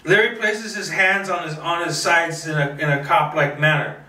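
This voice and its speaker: A man's voice: fairly high pitch, fairly even intonation, normal speed, bright, forceful tone. A man doing a table read of screenplay directions, stumbling and rereading as he goes. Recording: roomy, distant microphone.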